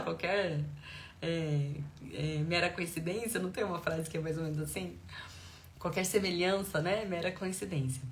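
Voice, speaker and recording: A woman with a Brazilian Portuguese accent, working as a parenting educator on a live stream. She talks in an animated way, asks her viewers lots of questions, and acts out scenes from family life. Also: fairly low pitch, a little hiss or hum. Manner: animated, full of questions to the audience, acts out dialogues. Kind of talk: live-stream talk answering viewer comments.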